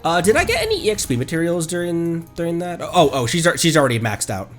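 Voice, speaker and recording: A man giving casual livestream gameplay commentary, halting as he thinks aloud. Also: a little high, big pitch swings. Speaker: game streamer. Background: game music.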